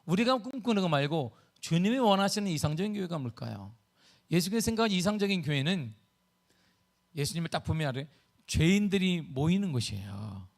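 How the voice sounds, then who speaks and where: Animated high-voiced Korean-church pastor. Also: male voice, brisk, vocal fry. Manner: animated storytelling with sudden loud and soft swings. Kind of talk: sermon.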